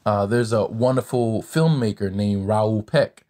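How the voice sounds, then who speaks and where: A man's voice: fairly low pitch, unhurried, dark tone. Thoughtful man hosting an interview. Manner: thoughtful, many fillers, asks long questions. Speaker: podcast host. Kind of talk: conversational interview.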